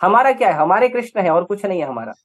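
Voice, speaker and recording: A man's voice: sits high, sing-song, fast. A man with an Indian accent giving a scripture lecture, emphatic, with rhetorical questions and repeated lists. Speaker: preacher.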